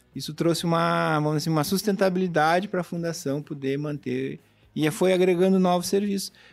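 A man speaks at a high pitch and a fairly quick pace. The recording is very clean, with a silent background. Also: fairly even intonation. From southern Brazil, Pelotas (Rio Grande do Sul). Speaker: agronomist, seed researcher. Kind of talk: interview conversation. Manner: halting, repeats words.

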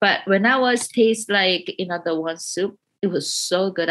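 With a Korean accent, a woman talks at a moderate pace, her medium pitch showing ordinary variation. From South Korea. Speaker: poetry teacher. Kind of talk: personal storytelling.

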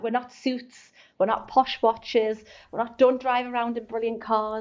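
With a North East England accent, a woman speaks at a high pitch with fairly even intonation. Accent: North East English (Geordie). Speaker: business founder and recruiter. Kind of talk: casual interview.

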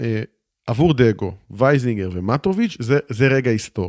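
In an ordinary speaking voice, a man talks at a moderate pace and medium pitch with lively intonation, recorded very cleanly against a silent background with a dry, close sound and no echo. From northern Israel, Nazareth Illit. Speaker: sports reporter. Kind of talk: casual chat.

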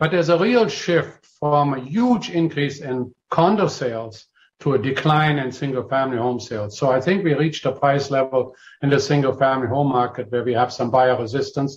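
A man speaks in a fairly high, somewhat breathy voice. His pitch varies in an ordinary way. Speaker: real estate analyst. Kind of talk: interview.

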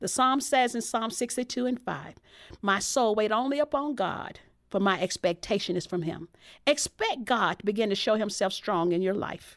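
In a very clean recording with a silent background, a woman with a fairly high pitch and an ordinary speaking voice talks at a moderate pace with ordinary pitch variation. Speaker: Bible teacher and author. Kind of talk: interview conversation about faith.

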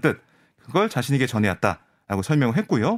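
Very wide pitch swings from a man at a fairly quick pace. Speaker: news reporter. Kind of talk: news analysis discussion.

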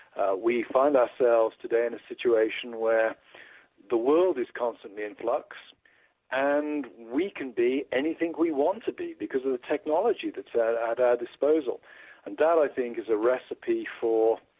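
At a moderate pace and medium pitch, a man talks in an unremarkable speaking voice with ordinary pitch variation. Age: 50s. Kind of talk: radio interview.

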